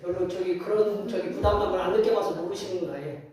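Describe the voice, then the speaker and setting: Speaking quickly in a high, darkish voice, a man preaches a folksy sermon built on storytelling, acting out scenes and questioning his congregation. The church sanctuary sounds very echoey through the distant microphone.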